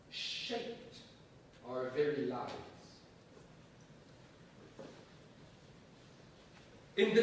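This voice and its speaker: An actor in a staged reading playing a grandiose, theatrical coup leader, dictating with deliberate, dramatic emphasis. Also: male voice, sits high. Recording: echoey stage from far off, faint noise.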